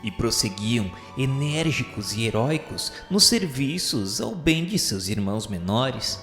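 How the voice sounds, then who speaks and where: Solemn male narrator, lively reverberant voice. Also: mid-range voice, measured pace, faint music behind. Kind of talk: scripted narration of a radio novela.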